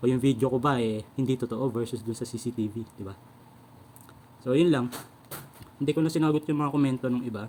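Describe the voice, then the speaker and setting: Long, frequent pauses break up a man's fairly quick speech, which has a dark, mellow tone and fairly even intonation. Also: medium pitch for a man. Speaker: vlogger. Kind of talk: casual vlog commentary.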